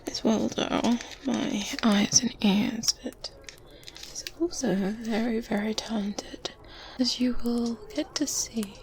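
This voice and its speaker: Hushed and politely hosting, a woman whispers breathily as an experienced, self-assured good witch in ASMR, gently condescending and pausing slowly and deliberately with hesitant hums. Her fairly high voice holds a steady tone. A close binaural mic gives a rough recording with faint ambience and medieval background sounds.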